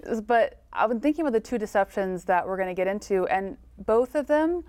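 A woman's voice: mid-range voice, lively intonation, a little fast, a little mellow, smooth. A woman co-hosting a casual Bible study discussion, thoughtful and affirming. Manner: thoughtful, light laughs, affirming. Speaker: co-host.

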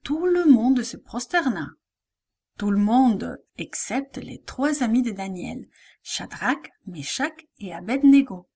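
A woman narrating a children's Bible story in an expressive, deliberate reading. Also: fairly high pitch, breathy edge.

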